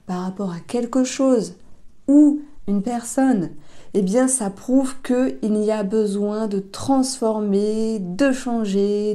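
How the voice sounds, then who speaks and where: Gentle woman, very dark voice. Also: medium pitch. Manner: gentle, unhurried, with fillers and self-corrections. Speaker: tarot reader. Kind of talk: tarot reading video.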